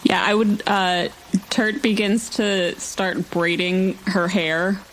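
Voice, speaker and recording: A woman playing a tabletop role-playing game, casually improvising her character's actions in a halting, thinking-aloud way. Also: medium pitch, level tone, a bit bright, a little hiss or hum, poor audio.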